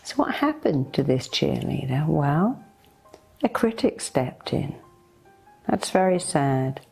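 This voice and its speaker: A woman leading a guided meditation in a soothing, deliberate way, speaking directly to the listener as a hypnotherapist would. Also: low voice, sing-song, gravelly, darkish tone, husky. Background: meditation music.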